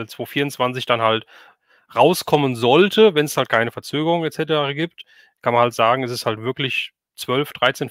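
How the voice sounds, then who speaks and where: Man, mid-pitched voice, livestream host, casual chat, loose thinking-aloud phrasing, dry recording. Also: a bit bright, no echo. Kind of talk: casual chat, reading viewer questions.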